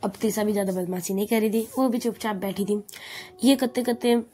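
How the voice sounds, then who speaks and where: A woman's voice: medium pitch, a little fast, warm tone, slight background noise. A woman telling a love story in a chatty, rambling way, often restarting her sentences. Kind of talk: casual spoken storytelling.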